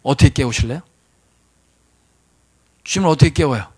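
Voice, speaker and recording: A man preaching a sermon in a church, animated and full of questions to the congregation. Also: medium pitch, fairly quick. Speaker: pastor. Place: church sanctuary.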